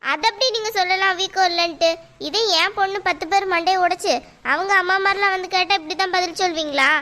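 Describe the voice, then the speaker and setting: A woman's voice: extremely high pitch, fast talker, bright, forceful tone. A woman voicing a quarrelsome, pushy mother in a cartoon, talking in a bossy, demanding way. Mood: angry. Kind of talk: cartoon voice acting.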